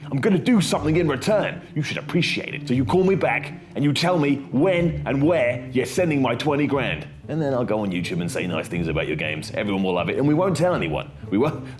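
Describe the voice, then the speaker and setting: A man leaving a pompous, demanding voicemail in a comic sketch. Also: medium pitch. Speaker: comedy show host.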